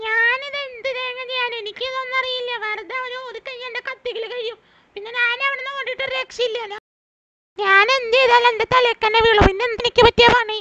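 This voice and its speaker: A cartoonish character voice at an extremely high pitch moves at a fairly quick pace with monotone, flat intonation. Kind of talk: comic dubbing. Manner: grumbling, resigned.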